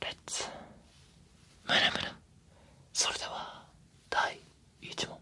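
A man whispers breathily at a very slow pace. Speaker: ASMR quiz host. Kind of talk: ASMR roleplay, quiz show hosting. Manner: close breathy whisper into binaural mic. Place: studio. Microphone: studio mic.

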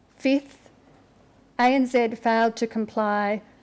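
A woman with an Australian accent. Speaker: senior counsel assisting a royal commission. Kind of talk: courtroom closing address, formal legal oratory. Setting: courtroom. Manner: formal, measured and precise; steady, reading out long lists of findings and citations. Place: hall. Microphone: podium.

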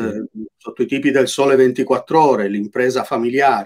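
A man with a fairly high pitch speaks at a moderate pace in an ordinary speaking voice, his pitch varying in an ordinary way. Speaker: business professor. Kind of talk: interview. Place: home room. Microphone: video call.

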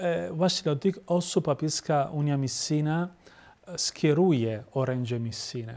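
A man's fairly high, dark and mellow voice with an Italian accent, lively intonation and a fairly slow pace. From northern Italy, Milan; northern Italy. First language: Italian (speaking Polish). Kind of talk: interview. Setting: TV studio. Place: studio. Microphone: lapel.

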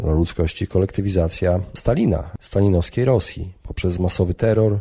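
Very deep and low, the man's voice has a dark, mellow tone and is somewhat breathy. He keeps a moderate pace with ordinary pitch variation. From Poland, Białystok. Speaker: podcast host. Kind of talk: solo monologue podcast.

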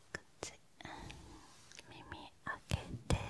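A woman talks at a moderate pace. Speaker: ASMR creator; esthetician. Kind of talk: ASMR ear-cleaning role play. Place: home room. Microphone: studio mic.

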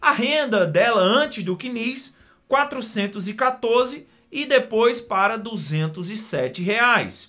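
A man's raised, projected voice, extremely high in pitch with a bright, sharp tone and ordinary pitch variation, at a very slow pace against a quiet background. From Brazil. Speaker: YouTuber and lawyer explaining welfare benefits; YouTuber, lawyer explaining welfare benefits. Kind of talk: explainer video monologue. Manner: animated. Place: home room.

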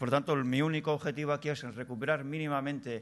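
A man talks at a fairly quick pace. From Basque Country (Biscay). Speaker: politician, provincial government candidate. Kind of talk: campaign speech at a forum. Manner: hesitant, frequent fillers and repetitions. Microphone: podium.

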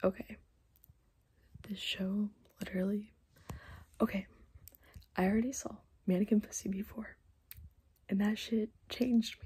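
Quiet and somewhat breathy, a woman with a dark, mellow tone speaks in a flat monotone at a moderate pace, leaving long, frequent pauses. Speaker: vlogger. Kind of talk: casual vlog chat. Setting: at home at night, thin walls. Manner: hushed, trying to be quiet. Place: home room. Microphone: phone near.

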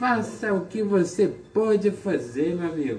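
Lively intonation over light background noise. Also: man. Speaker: radio announcer / live host. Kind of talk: live radio announcer promo. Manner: upbeat, motivational. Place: shop.

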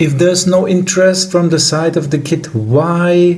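This man talks at a very slow pace with a German accent. His voice sits high for a man. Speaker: spiritual teacher leading scripture study. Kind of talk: scripture reading and commentary; spiritual discussion, explanatory talk. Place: home room.

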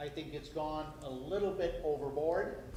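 Over noticeable background noise and audible room echo, a man with a fairly high pitch talks at a fairly slow pace with fairly even intonation. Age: 60s. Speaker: selectman. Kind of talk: public meeting discussion.

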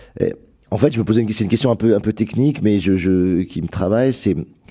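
A dark, mellow tone comes at a fairly quick pace with ordinary pitch variation. The background is quiet. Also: man. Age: 50s. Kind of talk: panel discussion. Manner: repeats words, halting starts.

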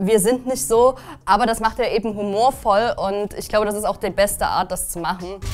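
Over faint music in the background, a woman talks at a moderate pace. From Saxony, Germany. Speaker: video host. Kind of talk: casual talk to camera, reaction video. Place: studio. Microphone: lapel.

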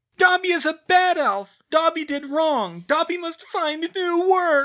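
A man uses a put-on character voice pitched extremely high for a man. He talks at a fairly slow pace over a quiet background. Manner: crying.

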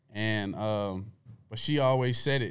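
A man with an American accent speaks with ordinary pitch variation against a quiet background. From Washington DC. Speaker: former football player and comedian; podcast guest. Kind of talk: casual chat. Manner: animated. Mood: relaxed, humorous storytelling. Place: studio. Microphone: studio mic.

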